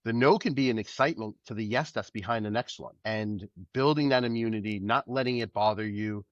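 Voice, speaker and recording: A man speaking as a guest in a relaxed, thoughtful way. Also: lowish voice, a little fast, no echo, dull audio. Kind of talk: casual conversation.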